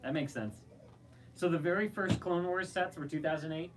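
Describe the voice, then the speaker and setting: A man's voice: fairly high pitch, normal speed, noisy background. A man co-hosting a casual livestream, chatting and reading viewer comments aloud.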